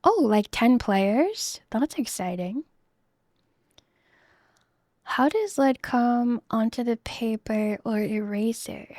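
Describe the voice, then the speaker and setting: Slow, soft-spoken woman in her thirties. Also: a little high, lively intonation, no room sound, studio quality. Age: 30s. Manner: soft-spoken, rambling, chatty. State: losing her voice. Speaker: streamer. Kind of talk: casual chat while drawing.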